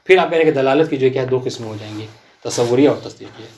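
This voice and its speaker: A man's voice: mid-range voice, a little mellow, slight background noise. Man teaching, quizzing his class. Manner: quizzes students, checks understanding often; recites Arabic text then explains it. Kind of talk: classroom lecture on legal theory.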